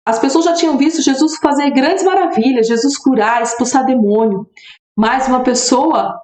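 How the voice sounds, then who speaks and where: A woman's voice: sits high, normal speed, darkish tone. A woman with a Brazilian Portuguese accent teaching a Bible lesson to preteens. She explains, asks rhetorical questions and reads scripture aloud. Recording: echoey room.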